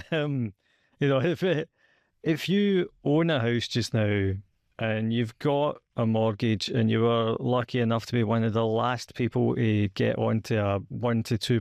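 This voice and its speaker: A man from Scotland with a Scottish accent, interviewing a guest in a relaxed, hedging way with frequent fillers. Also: mid-range voice, gravelly, no echo, studio quality. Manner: hedging, questions full of fillers and restarts. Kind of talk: conversational interview.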